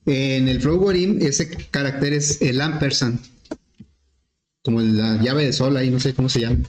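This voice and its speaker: A man teaching programming, explaining step by step with questions to the class and often clearing his throat. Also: mid-range voice, fairly even intonation, moderate pace. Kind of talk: screen-recorded class explanation. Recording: echoey room.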